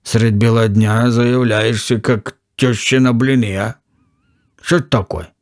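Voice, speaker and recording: A man's voice: mid-range voice, steady tone, unhurried, no room sound, clean studio sound, natural voice. A man voicing a fussy, cowardly aging crook who blusters and then whimpers in fear in an audiobook reading. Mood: indignant. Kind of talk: audiobook character voice.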